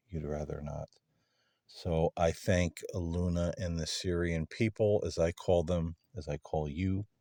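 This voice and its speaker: A man hosting a paranormal session, addressing spirits in a gentle, polite and earnest manner. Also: low-pitched, dry recording, studio quality. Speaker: host of paranormal contact sessions.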